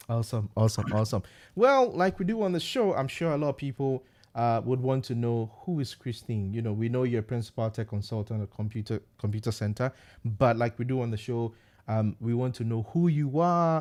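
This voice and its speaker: Against a quiet background, a man of medium pitch speaks fairly quickly in an energetic tone with ordinary pitch variation. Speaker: tech show host. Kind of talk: interview.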